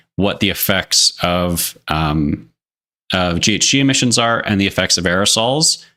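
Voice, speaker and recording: Recorded very cleanly against a silent background, a man with a Newfoundland accent speaks at a moderate pace in a bright, sharp tone. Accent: Newfoundland accent, mild when sober. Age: 20s. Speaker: streamer. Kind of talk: casual chat. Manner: halting, many fillers.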